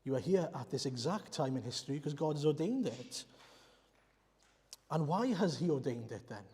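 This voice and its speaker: Welsh-speaking preacher in a reverberant church. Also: male voice, fairly high pitch, lively intonation, moderate pace, mellow, husky. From Wales. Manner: earnest, explanatory, asks the congregation rhetorical questions. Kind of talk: sermon.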